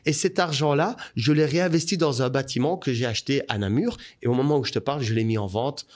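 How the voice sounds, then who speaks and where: A man, a guest telling a personal story in an interview, his voice rising as the story builds. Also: fast talker. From Belgium. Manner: animated storyteller, rising pitch as the story heats up.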